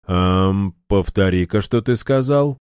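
A man's voice: sits low, darkish tone, clean tone, no echo, studio quality. Man doing a brash, taunting fighter. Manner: sarcastic, taunting, quick to anger. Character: brash mocking young man, hot-tempered fighter.

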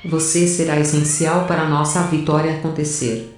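A woman's voice: sits low, level tone, moderate pace, darkish tone, very echoey, distant mic, faint music behind, close to an everyday voice. An actress playing a bold, brash female space first officer in an audio drama. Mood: urgent, commanding. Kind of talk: audio drama narration and dialogue.

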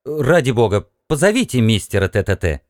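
A man's voice: mid-range voice, big pitch swings, brisk, darkish tone, no echo, clean studio sound, close to an everyday voice. A man playing an overconfident spaceship captain who talks in a hearty, pushy way, in an audiobook reading. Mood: insistent.

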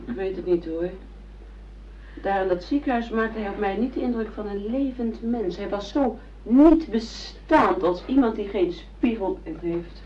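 An actress playing an earnest, defensive and uneasy grown daughter in a radio drama. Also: female voice, medium pitch, expressive, unhurried, mellow, slight background noise, natural voice. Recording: dull, slightly distant radio recording.

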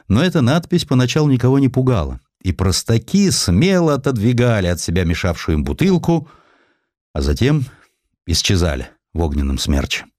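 Deep-voiced man narrating with drama. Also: a little mellow, no room sound, clean studio sound. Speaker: audiobook narrator. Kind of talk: dramatic scripted narration of a historical essay.

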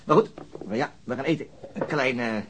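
A man playing a weary, gruff police detective in a radio drama, muttering and sceptical. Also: medium pitch, brisk, a little hiss or hum, natural voice. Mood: weary, conciliatory. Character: weary male police detective chatting with his woman companion. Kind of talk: naturalistic radio drama acting.

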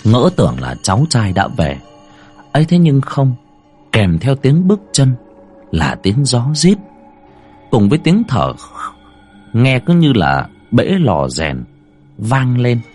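A man with a husky voice narrating a horror story in an expressive, rising and falling way. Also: mid-range voice, slow pace, long pauses. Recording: soft music underneath.

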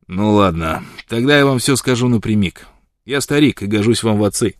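A man's voice: fairly low pitch, animated, normal speed, dry recording, clean studio sound, lightly acted. A man voicing a blunt, blustering older frontiersman in an audiobook reading. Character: older rough frontiersman, gruff and devoted.

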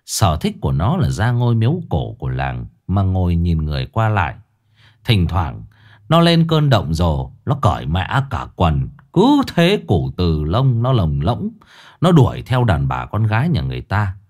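Lively storyteller man. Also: low-pitched, normal speed. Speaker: ghost story narrator.

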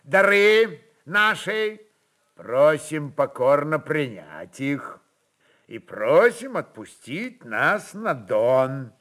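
A man's voice: on the high side, sing-song, drawn-out words, a bit bright, exaggerated voice. A man voicing a clowning Cossack aide in a radio play, drawling with mock pomp as he mimics his chief. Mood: playfully pompous.

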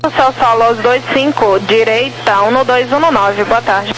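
A man's voice: very high-pitched, normal speed, a bit bright, rough recording. A man with a Brazilian accent working as a tower air traffic controller, giving procedural instructions over the radio. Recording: faint hum and radio noise.

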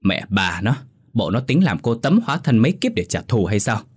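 A man's voice: lowish voice, big pitch swings, normal speed, slightly rough. A man voicing an arrogant middle-aged village official who bosses people around in a spoken ghost story. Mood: scoffing. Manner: blustering, bossy.

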